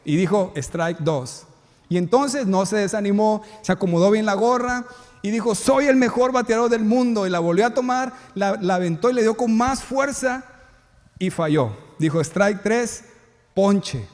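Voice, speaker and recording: Guy pastor preaching, high voice, lots of hall echo, acts out little stories. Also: expressive, measured pace, a little mellow. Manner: storytelling preacher acting out characters' lines. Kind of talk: sermon.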